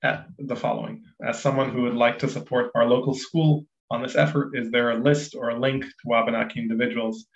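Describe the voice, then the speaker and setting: A man from Ethiopia, a native Amharic speaker, moderates an online panel at a measured pace with plenty of fillers. His voice is gravelly. The sound is dull and echoey, as from a bare room. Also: medium pitch, steady tone.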